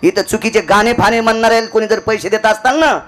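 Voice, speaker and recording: A man's voice: high voice, a little fast. A man preaching a devotional kirtan, with folksy humor, calling on listeners by name. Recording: live with loud instrumental music.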